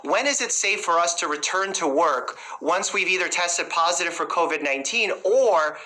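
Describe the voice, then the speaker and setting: Bright-voiced man asking questions. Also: sits high, expressive, moderate pace. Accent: New York. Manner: prepared, methodical questioning. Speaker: family doctor interviewer. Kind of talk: interview questions.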